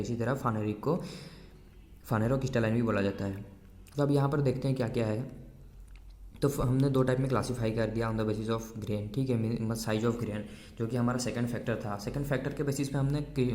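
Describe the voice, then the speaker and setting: A man's voice: mid-range voice, darkish tone. A male teacher giving an exam-prep lecture, explaining patiently, repeating key points and mixing in English terms. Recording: roomy echo.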